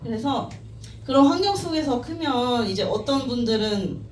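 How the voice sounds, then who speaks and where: Her voice a little high with lively intonation and a moderate pace, a thirty-something team member shares her personal life story with colleagues at a company meeting. She comes across as modest and self-deprecating, with frequent light laughs. The meeting room recording is echoey, with a distant mic and faint noise.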